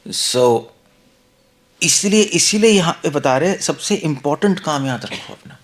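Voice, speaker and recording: A man's voice: on the high side, expressive, measured pace. A male monk giving a conversational scripture class, mixing Hindi and English, asking the listeners rhetorical questions. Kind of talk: Hindi-English devotional lecture.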